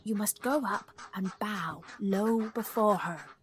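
A woman's voice: mid-range voice, takes it slowly, noisy background, close to an everyday voice. A woman voicing a proud, protective mother duck in a storybook, prim and motherly. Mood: gentle.

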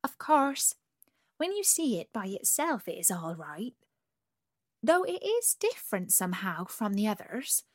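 Proper mother duck, read by a woman, genteel and protective, slow and husky. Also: mid-range voice, very animated, no room sound, clean studio sound. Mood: gentle.

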